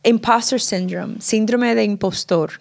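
A woman's voice: a little high, a little slow, gravelly, darkish tone. A woman in her forties from the Dominican Republic with a New York Latina accent, chatting casually on a podcast and switching between Spanish and English mid-sentence. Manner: restarts often while searching for words.

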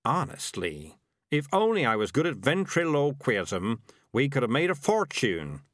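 A man's voice: on the low side, very animated, unhurried, a bit bright, no echo, studio quality. Man voicing a sly talking tomcat schemer. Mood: grumbling. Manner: smooth-talking, grumbling and cajoling. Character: sly, scheming talking male cat, money-minded.

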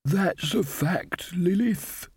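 A man's voice: on the high side, big pitch swings, takes it slowly, slightly rough, no echo, studio quality, pitched above the performer's own voice, exaggerated voice. A man voicing a mild, cheerful old fairy godmother woman who chats and rambles. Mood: mild, chatty.

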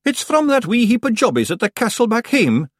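A man's voice: very high-pitched, sing-song, brisk, no room sound, studio quality, voice pushed up, heavily acted. A man voicing a boastful, rambling little fairy clansman with a Scottish accent in a storybook. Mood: brisk. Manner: blustering, rambling, emphatic. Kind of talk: acted storybook dialogue.

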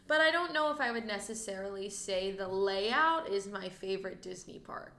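A woman's voice: medium pitch, animated, normal speed, pushed and bright. A young woman hosting a podcast in a casual, conversational and informal way. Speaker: podcast host. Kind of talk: casual chat. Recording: roomy, echoey sound.

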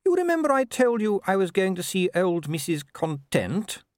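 A man's voice: high voice, big pitch swings, normal speed, no room sound, studio quality, pitched above the performer's own voice. A man voicing a genteel, chatty upper-class wife with a fond, reassuring manner in an audiobook. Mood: hesitant. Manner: chatty, gushing, upper-class turns of phrase. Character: genteel aristocratic middle-aged wife, breezy, fondly reassuring. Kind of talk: audiobook character voice.

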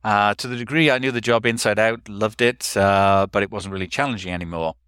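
A Welsh man in his fifties talks through his career as a podcast guest, pausing often on fillers. His voice sits low and resonant. The recording is close and dry, with little room sound. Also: fairly bright tone, smooth, no echo. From South Wales. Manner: hesitant, many fillers. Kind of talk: conversational interview.

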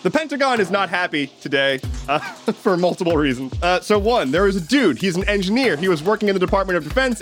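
A sarcastic American man in his thirties runs through the day's news in a high, lively voice that swings all over the place. He talks casually and drops dry, opinionated asides. Faint music plays underneath. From United States. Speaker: news commentary host. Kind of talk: casual daily news commentary.

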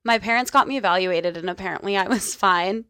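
A young woman co-hosting a podcast, telling stories in animated casual chat and swearing freely, recorded close on a studio mic. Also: mid-range voice, brisk. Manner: animated storyteller, laughs often, swears casually. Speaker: podcast co-host.

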